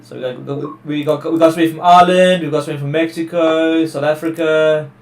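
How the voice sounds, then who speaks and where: Chatty Welsh-born host on a call. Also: male voice, a little high, fairly even intonation, quick pace, roomy sound, distant mic. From Wales. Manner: chatty, upbeat, guiding others. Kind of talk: casual video call chat.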